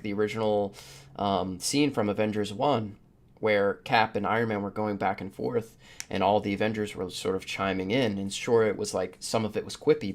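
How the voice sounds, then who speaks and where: A man hosting a casual panel podcast, talking conversationally and laying out his points at length. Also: on the low side. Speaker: podcast host. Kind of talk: casual panel discussion of superhero films.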